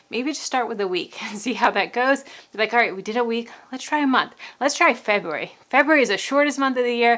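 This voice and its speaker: Speaking to camera in a fairly high, somewhat bright voice, a young adult woman who vlogs about personal finance shares cheerful ways to save money. She's chatty, repeats key phrases, and, being pregnant, can sound slightly breathless.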